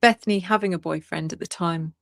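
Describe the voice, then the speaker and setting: Woman, stream host, soothing, chatty, reassuring, lowish voice, dry close recording. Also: fairly even intonation, brisk, vocal fry, fairly bright tone, dry recording. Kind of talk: casual chat with co-host.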